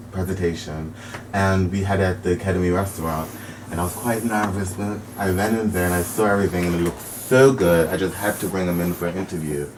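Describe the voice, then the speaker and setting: Chatty young male radio host, distant mic. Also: low-pitched. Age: young adult. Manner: chatty, laughs often, upbeat. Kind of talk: casual interview. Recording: distant mic, faint background noise.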